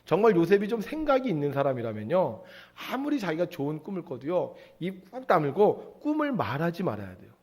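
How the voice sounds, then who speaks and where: Animated male pastor preaching. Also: fairly high pitch, fairly quick, hardly any pauses. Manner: animated storytelling, asks the congregation questions. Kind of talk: sermon.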